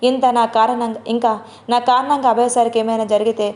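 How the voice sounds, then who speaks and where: A woman's voice: fairly high pitch, flat delivery, a little fast, darkish tone, lightly acted. A distraught young woman cries out and pleads in a raised, shaky voice, as a female storyteller puts her on. Tears run through every word of this audio drama figure. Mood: anguished outburst. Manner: pleading, breaking into sobs.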